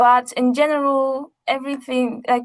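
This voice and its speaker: A woman speaks with a Polish accent at a moderate pace. Her intonation stays fairly even. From Poland, Torun. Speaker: university student and astrobiology outreach lead. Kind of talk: interview.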